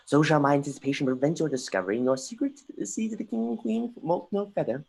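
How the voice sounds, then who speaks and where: A performer acts out a young Danish prince in a Shakespearean stage reading. He is sardonic and brooding, declaiming theatrically at a middling pitch, with the odd stumble over the verse. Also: lively intonation, fast talker, creaky, a little mellow, breathy edge. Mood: melancholy. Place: remote livestream from home.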